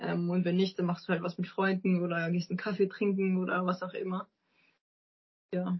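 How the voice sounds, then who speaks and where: The voice is somewhat breathy, in a flat monotone. It moves at a moderate pace, broken by long, frequent pauses. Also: woman, medium pitch for a woman. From Austria, Tyrol (Innsbruck). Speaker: professional football goalkeeper. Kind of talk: interview.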